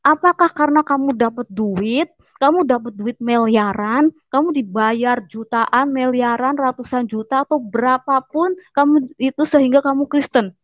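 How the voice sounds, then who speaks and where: A woman's voice: sits high, moderate pace, no echo, lo-fi sound, natural voice. A woman putting on her angry older brother, a religious teacher, as he interrogates her. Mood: demanding. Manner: demanding, interrogating.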